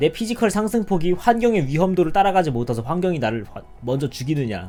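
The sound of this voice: Over background music, a man with a high pitch speaks with very wide pitch swings.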